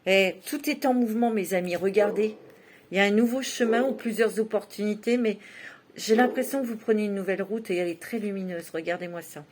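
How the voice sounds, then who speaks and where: A woman's voice: medium pitch, fairly quick, darkish tone. A woman giving a casual tarot reading, chatty and often laughing, filling her speech with little asides. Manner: chatty, laughs often, many fillers like "hein". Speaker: tarot reader.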